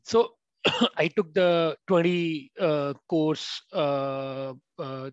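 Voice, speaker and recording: Man, hesitant, lots of uhs, muffled dry call audio, slightly raised pitch. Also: fairly even intonation, extremely slow, clean tone, no room sound. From India. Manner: hesitant, many fillers. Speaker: guest, former language student. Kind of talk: casual interview.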